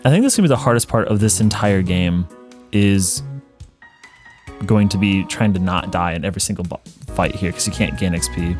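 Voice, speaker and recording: A man's voice: low voice, a little fast, a little mellow. A man hosting a let's play, giving casual, chatty commentary as he plays. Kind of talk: casual gameplay commentary with read-along. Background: game music.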